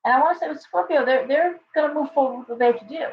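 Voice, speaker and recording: A woman hosting a casual tarot livestream, chatty and hoarse, thanking viewers by name as she reads the cards. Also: sits high, rapid-fire, recorded from a distance, slight background noise. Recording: dull, roomy livestream audio from off-mic.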